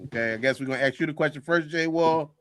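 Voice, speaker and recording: A man's voice: on the high side, fast talker. A man hosting a casual talk show, chatting loosely and reading out headlines and comments. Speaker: host.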